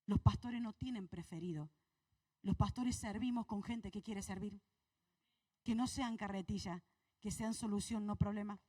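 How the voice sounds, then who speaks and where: A woman pastor with an Argentine accent preaching a sermon to her congregation, asking questions and swinging between soft and loud. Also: mid-range voice, normal speed, no room sound, distant mic. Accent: Argentine Spanish. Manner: preaches to the congregation with rhetorical questions, voice rising and falling. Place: church hall.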